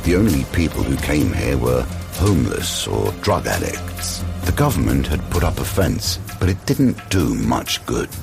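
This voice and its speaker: A man narrating an action thriller audio drama in a scripted, dramatic style with measured pauses. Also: rumbling low, gravelly. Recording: loud music bed. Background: loud dramatic music.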